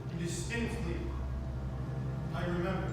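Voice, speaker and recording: In a very echoey, noisy hall, a man recites gothic verse from far off. His voice is high for a man. He delivers it as haunted theatre, with halting, dramatic pauses. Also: fairly even intonation. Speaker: stage performer reciting at a live event. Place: indoor live event venue, recorded from the audience. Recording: echoey hall, distant mic, noisy room.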